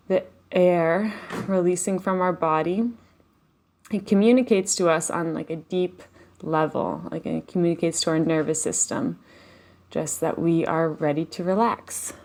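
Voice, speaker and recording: A woman leading a live guided meditation, speaking softly and slowly with long pauses and audible sighs. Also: lowish voice. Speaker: meditation teacher. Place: home, live online session.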